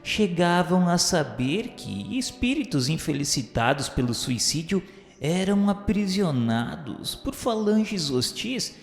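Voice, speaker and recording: A man narrating a radio novel in a measured, solemn literary reading. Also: on the high side, big pitch swings. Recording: roomy reverberant sound with music bed. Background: music.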